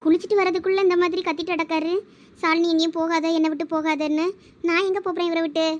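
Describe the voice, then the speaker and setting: A woman's voice: very high voice, flat delivery, rapid-fire, highs cut off. A woman playing a cheerful, playful young wife in a village drama, talking in a bubbly way. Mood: puzzled. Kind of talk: village web-series acting.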